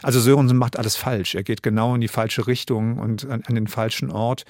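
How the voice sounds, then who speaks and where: A man's voice: medium pitch, fairly even intonation, a little fast, a little mellow, no room sound, studio quality. A man in his fifties, an author and radio drama director, giving thoughtful interview answers and often restarting his sentences as he searches for words. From Germany.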